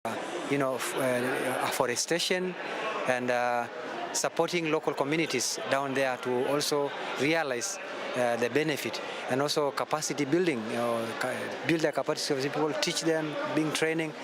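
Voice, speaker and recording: A man from Kenya speaking hesitantly with many pauses and fillers in a street interview. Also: medium pitch, heavy background noise. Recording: crowd behind, outdoors.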